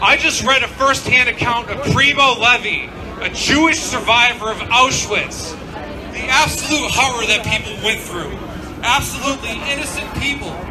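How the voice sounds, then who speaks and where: With crowd noise in the background and audible room echo, a man talks at an extremely high pitch with fairly even intonation. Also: moderate pace. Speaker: rally speaker. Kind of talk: rally speech. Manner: stuttering at times.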